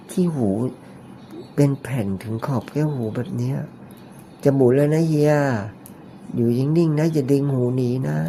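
Man talking in a soft put-on high voice. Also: slight background noise. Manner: deliberately raised, soft falsetto-like voice; chatty, joking asides while working. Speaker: ear cleaner. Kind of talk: ear-cleaning demo narration to camera.

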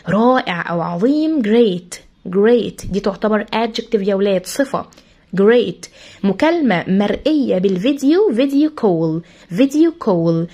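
Egyptian woman teaching vocabulary, lively pitch. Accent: Egyptian Arabic. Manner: repeats each word slowly, spells out sounds; addresses pupils as "kids". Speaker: English teacher. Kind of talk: vocabulary lesson for pupils.

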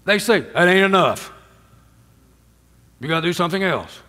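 Older man, pastor, sermon, emphatic, fairly high voice, long sanctuary reverb. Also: expressive, moderate pace. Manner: emphatic, swinging from loud highs to low hushed endings; asks the congregation for amens. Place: large church sanctuary with stage and drum kit.

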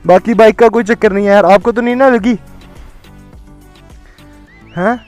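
A man motovlogging outdoors by a road, talking excitedly to camera and laughing often. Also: sits high, moderate pace, faint music behind. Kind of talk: casual outdoor vlog talk to camera.

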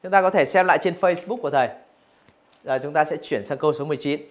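A man with a high voice teaches physics, working through exam questions one by one. He keeps checking with his students as he explains each answer. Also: fast talker. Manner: talks through answers, asks rhetorical questions. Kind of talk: exam review lesson.

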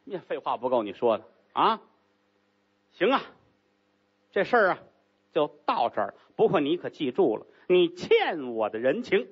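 A man voicing a haughty, commanding rich young concubine, speaking low and cool in a storytelling act. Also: big pitch swings, moderate pace, pauses often, husky, dull audio. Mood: stern, commanding.

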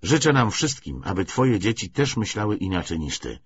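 A man's voice: fairly low pitch, sing-song, moderate pace, muffled recording, a little hiss or hum. A man reading aloud the part of an earnest, insistent young man who questions with stiff, forced politeness. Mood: stiffly polite.

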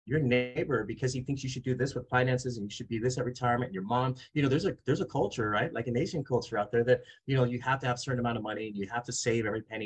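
A man's voice: mid-range voice, breathy edge. A man in his forties, a money coach, speaking emphatically on a video call from a home office. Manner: energetic, emphatic, talks with his hands. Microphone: video call webcam.

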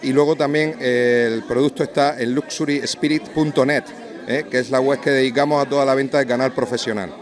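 A man in his forties giving an interview at a busy restaurant event, speaking into a handheld mic with a fluent sales pitch full of "eh" fillers. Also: fairly even intonation, fairly quick, some chatter behind. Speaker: drinks company representative.

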